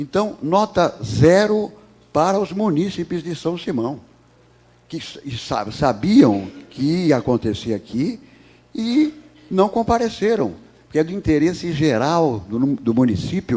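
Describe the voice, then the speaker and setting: A man with a fairly high pitch and a dark, mellow tone talks very slowly, his pitch swinging very widely. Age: 80s+. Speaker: invited speaker at city council. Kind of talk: public speech. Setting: city council chamber.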